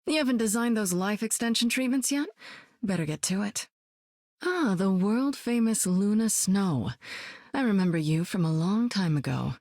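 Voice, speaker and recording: An actress voicing Black Widow, a seasoned woman superspy with a calm, wry, self-assured manner in game voice lines. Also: mid-range voice, moderate pace, dry recording, clean studio sound. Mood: warm, amused. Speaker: game hero.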